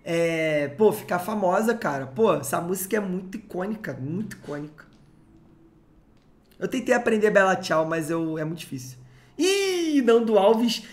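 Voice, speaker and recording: A young man from Rio de talks into a close desk mic at home while he casts a card game on a live stream. He keeps up a relaxed, slangy running chat and goes off on joking tangents between plays. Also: sits high. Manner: chatty, joking, slangy asides.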